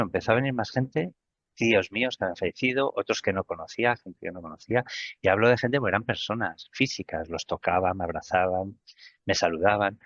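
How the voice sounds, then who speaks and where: A middle-aged man with a Spain Spanish accent tells his story in an interview, with a fairly low voice. He acts out the remembered lines as he goes. The sound is dry and a little muffled. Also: fairly bright tone, no echo. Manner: vivid retelling that acts out remembered dialogue. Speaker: interview guest.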